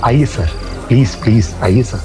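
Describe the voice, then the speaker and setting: A man playing an obsequious rich host, speaking slowly and deferentially. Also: medium pitch, lightly acted. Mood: fawning. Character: fawning middle-aged rich host, obsequious. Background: background music.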